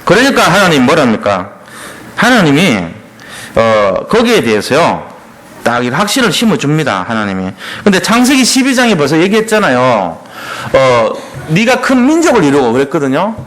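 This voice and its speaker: A man pastor preaching an emphatic, animated sermon in a church, often acting out quotes. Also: on the high side, normal speed.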